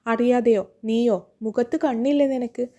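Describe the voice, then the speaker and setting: Woman narrator voicing an angry young man, scornful, snapping, very dark mellow tone, slightly high. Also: steady tone, normal speed, natural voice. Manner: snapping, bitter reproaches. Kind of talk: audiobook character voice.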